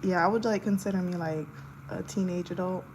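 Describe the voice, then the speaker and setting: This art livestreamer, a woman in her twenties, keeps up chatty, giggly talk full of fillers while she draws for her viewers. Her voice is fairly low with fairly even intonation, and she speaks briskly over a faint hum.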